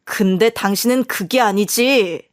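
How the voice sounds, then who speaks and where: A woman's voice: mid-range voice, unhurried, dry recording, clean studio sound, lightly acted. Woman voicing a curt, blaming husband. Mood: scolding. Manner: curt, scolding, accusing. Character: stubborn, blaming middle-aged husband. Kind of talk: storytelling dialogue.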